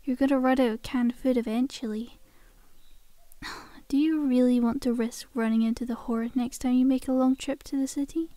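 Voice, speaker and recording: A woman's voice: high voice, fairly even intonation, normal speed, dark tone, dry recording, lightly acted. A woman playing a friendly, sly zombie girl in an ASMR roleplay, coaxing a survivor in a chummy, casual, faux-innocent way.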